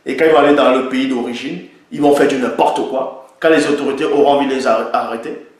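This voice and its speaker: A man's voice: mid-range voice, steady tone, fast. A man giving an opinion monologue and citing the Bible, emphatic and repeating his points for stress. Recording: very echoey room.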